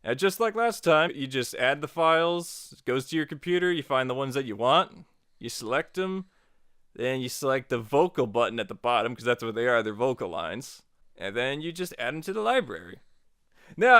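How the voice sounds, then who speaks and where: A man's voice: fairly high pitch, a bit bright, clear, resonant tone, no echo, studio quality. A man narrating a tutorial as its host in an informal, jokey, casual way.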